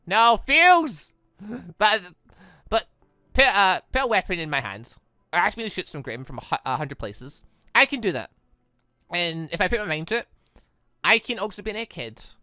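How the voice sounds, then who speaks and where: A man voicing an insecure, self-blaming teenage girl from a visual novel, halting and stammering. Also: high voice, very animated, pushed and bright, no echo, clean studio sound, full character voice. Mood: distressed.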